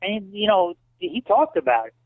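A man's voice: high-pitched, moderate pace, no echo. Man in his late fifties on a tinny phone line. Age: 50s. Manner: animated anecdotes, frequent "you know". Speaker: interview guest. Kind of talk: casual storytelling interview.

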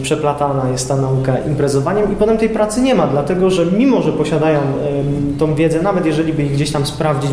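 A young man giving an informal lecture to high school students in a classroom, hesitating often with filler sounds as he explains. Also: warm tone. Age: young adult. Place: classroom with projector screen, indoors. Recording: echoey room with long reverb, faint noise.

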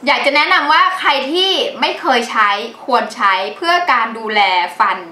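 A chatty woman with a bright, higher voice talks through her used-up products in a casual, animated way. Her voice rings around an echoey room, with a faint hiss under it. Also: normal speed. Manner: chatty, animated, laughs often. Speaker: beauty vlogger. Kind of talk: casual product review chat.

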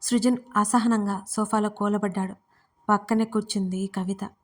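A woman storyteller reading a romance audio story in a steady, even manner. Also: mid-range voice, normal speed.

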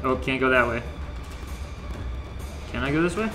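A young man hosting a casual gameplay livestream, joking and greeting viewers while he plays, his voice a little hoarse. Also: mid-range voice, moderate pace, over music. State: slightly hoarse, losing his voice. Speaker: livestream game host.

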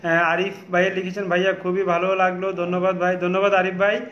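A tired man hosting a late-night live stream from a clothing showroom, reading out viewer comments with many pauses. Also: sits high, monotone. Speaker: shop host on a live stream. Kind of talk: casual live-stream chat. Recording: echoey, dull phone audio.

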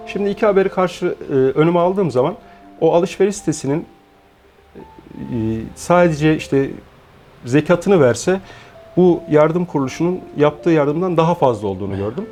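Forties man, guest founder, warm mellow tone, measured with pauses, faint music under. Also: a little high. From Turkey. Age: 40s. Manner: measured, explanatory, with frequent hesitation fillers. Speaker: guest, founder of an online shop. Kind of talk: interview.

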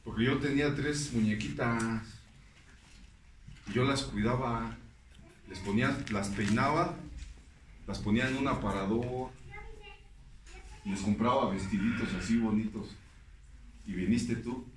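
A man voicing an older father-in-law with a Mexican accent, speaking slowly, heavily and reproachfully. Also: medium pitch, slight background noise, lightly acted. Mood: bitter reproach. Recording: echoey room, mic at a distance.

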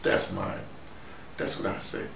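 A man playing an easygoing, opinionated intellectual character, rambling and digressing animatedly in a casual monologue. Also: a little slow. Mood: opinionated, insistent. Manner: digressive, animated, argumentative, punctuated with "you know". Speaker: vlogger in character. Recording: distant mic, echoey room, loud background noise.

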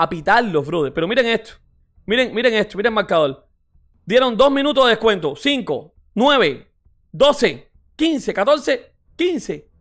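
A man reacting to a football match with a heated, mocking rant, his voice sitting high. He repeats his points and keeps calling his viewers brother. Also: fairly bright tone. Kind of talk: excited reaction commentary.

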